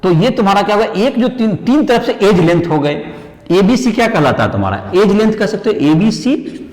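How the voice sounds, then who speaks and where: Animated male chemistry tutor, echoey room. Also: sits high, a little fast. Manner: repetitive rhetorical questions to students, Hindi-English mix. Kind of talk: classroom lecture. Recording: echoey room with long reverb.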